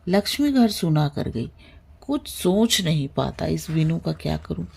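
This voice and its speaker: A woman voicing a grieving, stern widowed older village man who speaks in a heavy, halting way in a storybook reading. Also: low voice, very animated, creaky, darkish tone, husky, heavily acted.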